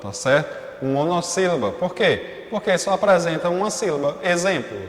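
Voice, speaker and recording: A man's voice: on the high side, lively intonation, moderate pace. Man teaching in an echoey room. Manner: explanatory, frequent checking fillers. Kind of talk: recorded online class lesson. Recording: echoey room with long reverb.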